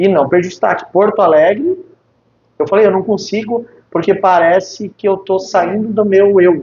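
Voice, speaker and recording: At a fairly slow pace, a man in a strong rural gaúcho accent speaks with a high pitch and ordinary pitch variation. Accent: thick rural gaúcho. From Rio Grande do Sul interior, Brazil. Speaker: hospital president and doctor. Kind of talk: casual chat. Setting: expo stand.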